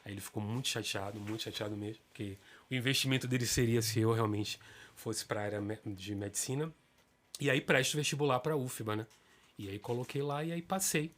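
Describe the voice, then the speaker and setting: Bahian guy in his 50s, chatty storyteller, voice jumps up when he gets into it. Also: fairly quick. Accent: Bahian Brazilian Portuguese. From Salvador, Bahia, Brazil. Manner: animated storyteller, pitch rises when excited. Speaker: guest, stage actor. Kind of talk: casual interview, telling his life story.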